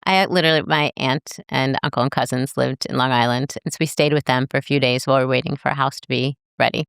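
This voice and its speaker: American woman podcast guest; low voice, animated storyteller, dry studio sound. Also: fast, gravelly, clean tone, no echo. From United States. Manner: animated, acts out voices in her anecdotes. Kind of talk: casual storytelling chat.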